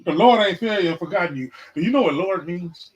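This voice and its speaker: A man in his forties hosting a casual livestream podcast, mixing loud, repetitive outbursts with profane, slangy sermon-like talk. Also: high-pitched, expressive, quick pace, highs cut off. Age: 40s. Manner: profane, slangy, calls out viewers. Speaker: podcast host. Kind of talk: casual preaching and chat. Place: livestream, home setup.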